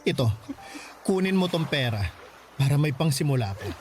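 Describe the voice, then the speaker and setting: A man's voice: a little high, big pitch swings, moderate pace, soft background music. A Filipino man acting a hurt, resolute gay foster mother in a radio drama, scolding firmly and emphatically. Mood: stern, resigned.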